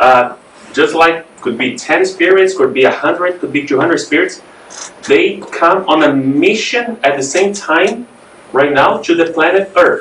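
High-pitched male speech, fairly slow and lively in intonation, with audible room echo. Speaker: presenter. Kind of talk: lecture. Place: meeting room. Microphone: camera far.

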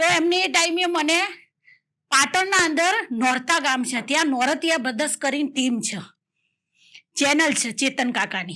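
Raised and projected, a woman's high-pitched voice has a bright, sharp tone on a very clean recording with a silent background. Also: lively intonation. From Gujarat, Mehsana. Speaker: YouTube comedy actress. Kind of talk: life story testimony.

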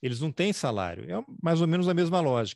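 Lively intonation comes through in a dry sound with no echo. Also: man, quiet background. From Brazil. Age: 50s. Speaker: journalist and interviewer; journalist, interviewer. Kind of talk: interview. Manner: casual, hesitant. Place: home room. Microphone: studio mic.

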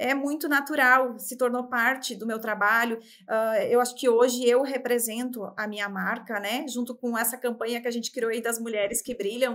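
Her voice is high-pitched and her intonation stays monotone and flat as she talks at a moderate pace. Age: 40s. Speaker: online accessories seller. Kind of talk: interview. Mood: warm, smiling. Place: home room.

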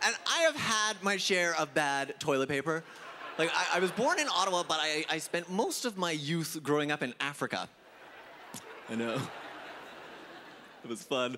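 A man's raised, projected voice at a fairly slow pace, over light background noise. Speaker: stand-up comedian. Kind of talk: stand-up comedy routine. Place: stage. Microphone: handheld.

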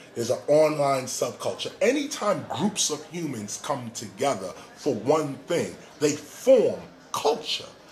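A man speaks at a fairly slow pace. Light background noise sits under the recording. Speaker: interviewee. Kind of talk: interview answer. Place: office. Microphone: phone near.

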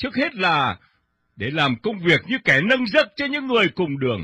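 Raising and projecting his voice, a man with a bright, sharp tone speaks at a moderate pace with very wide pitch swings. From northern Vietnam (Nam Dinh). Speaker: radio host. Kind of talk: radio interview. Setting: studio.

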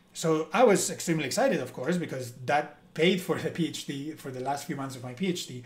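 With a Spanish accent, a man talks at a moderate pace in a fairly high pitch, with ordinary pitch variation, hardly any pauses and big swings in loudness. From Spain, Alicante; Spain. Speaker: mathematician. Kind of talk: live-streamed reminiscence. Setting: livestream with chat. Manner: halting. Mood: warm, reflective. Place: home room.

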